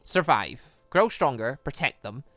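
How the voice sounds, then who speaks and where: A let's player voicing a calm, cryptic mother warrior who instructs in a measured way, from a visual novel game. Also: mid-range voice, dry recording, soft background music, pitched below the performer's own voice. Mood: commanding.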